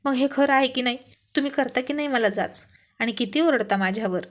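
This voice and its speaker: A woman voicing a young devoted wife who speaks with earnest, emotional warmth in storybook dialogue. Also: fairly high pitch, fairly even intonation, moderate pace, lightly acted. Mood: earnest, teasing.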